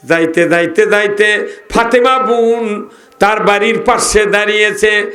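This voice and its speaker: A man's voice: high voice, fairly even intonation, measured pace, bright, forceful tone. A man from Bogura preaching a humorous sermon in the local Bogura dialect, telling stories with teasing asides to the crowd. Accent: Bogura Bengali dialect. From Bogura, northern Bangladesh. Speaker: Islamic preacher.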